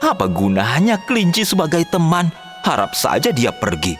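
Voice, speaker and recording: A woman voicing a cunning young male musician in a cartoon, giving sly, bossy orders in a lowered voice. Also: huge pitch swings, moderate pace, soft background music. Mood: scheming. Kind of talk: cartoon dub storytelling.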